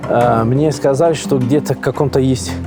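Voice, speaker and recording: A man who is not a Russian speaker, a priest answering interview questions in a slow, thoughtful way with frequent pauses. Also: mid-range voice, fairly even intonation, over music. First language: Italian. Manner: unhurried, thoughtful, frequent hesitations. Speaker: Orthodox priest and monk, interview guest. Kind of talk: reflective conversational answers.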